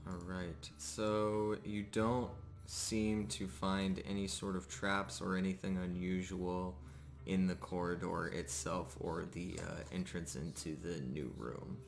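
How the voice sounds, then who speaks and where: A man narrating a live tabletop roleplaying game as game master, often pausing mid-sentence as he describes things. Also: deep voice, level tone, creaky. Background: music.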